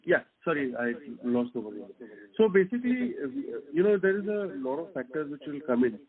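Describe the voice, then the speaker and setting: A man's voice: fairly high pitch, big pitch swings, fairly quick. A man, a company executive on an earnings call, heard on an echoing speakerphone and hesitant, checking whether he can be heard. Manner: hesitant, many fillers, keeps checking if he is heard. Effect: echoing speakerphone on a phone line. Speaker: company executive answering analysts. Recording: tinny, dry phone line.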